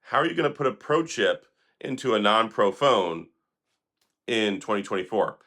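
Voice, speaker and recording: A hoarse man, sick for days, hosting an opinionated tech commentary vlog in a sarcastic, critical, rambling manner. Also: on the low side, lively intonation, moderate pace, fairly bright tone. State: hoarse, recovering from illness. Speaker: tech video host.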